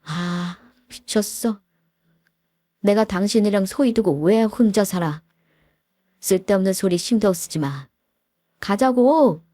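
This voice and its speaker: A woman's voice: mid-range voice, slow, long pauses, mellow, no echo. A blunt husband holding back his anger, read by a woman in a story narration. He speaks in short, firm bursts, in a dry, close recording.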